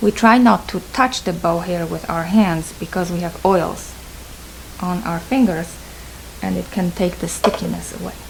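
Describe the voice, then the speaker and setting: A woman speaks at a moderate pace and medium pitch, with noticeable background noise. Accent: Polish. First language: Polish. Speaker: orchestra violinist. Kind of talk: tutorial.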